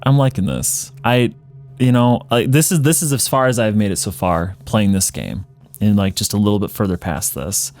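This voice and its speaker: A man's voice: lowish voice, moderate pace, darkish tone, faint music behind. A man hosting a let's play, chatting casually as he comments on a video game.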